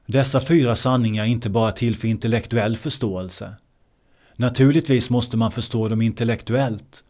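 A man teaching meditation in a measured way, often repeating key words. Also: medium pitch, darkish tone. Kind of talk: translated meditation discourse.

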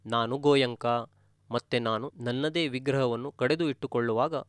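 Calm man giving a dry spiritual discourse. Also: mid-range voice, normal speed, clean tone, no room sound. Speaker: meditation teacher.

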